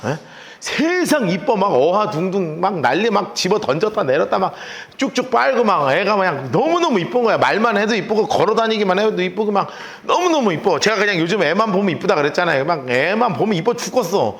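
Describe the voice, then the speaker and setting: Man, pastor, sermon, acts out scenes, very expressive intonation. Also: high voice, fairly quick. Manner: animated storytelling, acts out characters.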